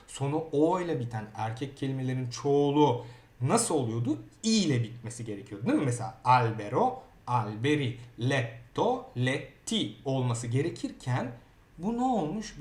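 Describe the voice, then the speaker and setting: A Turkish-speaking man teaching grammar in a lively way, often checking in with the learner. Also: medium pitch, roomy sound. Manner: lively, repeats words and asks "okey?". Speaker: Italian teacher. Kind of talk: grammar lesson.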